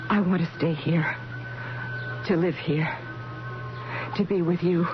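A woman's voice: on the low side, fairly even intonation, slow, noisy background. An actress in a radio drama playing a frail, anguished middle-aged mother in a dreamy, yearning monologue. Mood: weary pleading. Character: frail, sick, anguished mother pleading with her own mother. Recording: dull lo-fi radio broadcast, music underneath. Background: music.

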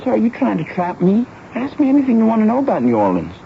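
A man acting an earnest, pleading teenage runaway boy, emotional and halting, in a 1970s radio drama. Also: sits high, huge pitch swings, vocal fry, exaggerated voice. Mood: insistent. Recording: dull, noisy vintage radio broadcast.

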